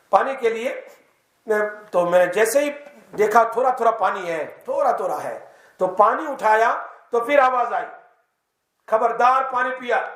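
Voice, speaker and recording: A man's voice: extremely high pitch, fairly bright tone. A man, an Islamic teacher, giving a mosque lesson. He tells the story in the first person and keeps quizzing the audience. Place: mosque hall. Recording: echoey mosque hall.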